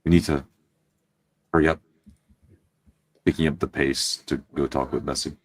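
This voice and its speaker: Very deep-voiced man narrating his character. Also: fairly even intonation, moderate pace. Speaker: player in a tabletop roleplay game. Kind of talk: first-person action narration.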